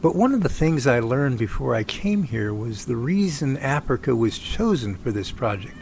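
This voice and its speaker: A man acting as an earnest, folksy research team leader in an audio drama. He speaks haltingly at a medium pitch, with noticeable background noise on the homemade recording. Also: big pitch swings, gravelly, a little mellow. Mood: explanatory, friendly. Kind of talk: amateur audio drama dialogue.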